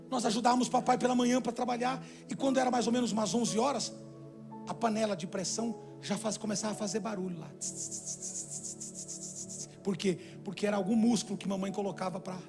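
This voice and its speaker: High-pitched pastor telling a story. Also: male voice, vocal fry. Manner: animated storyteller, acts out shouted quotes. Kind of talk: sermon storytelling. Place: church stage.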